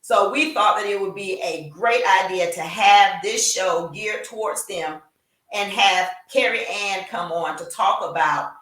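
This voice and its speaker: A woman's voice: medium pitch, unhurried, fairly bright tone. A middle-aged woman hosting a talk show, chatting casually with frequent fillers and restarts. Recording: roomy echo, distant from mic.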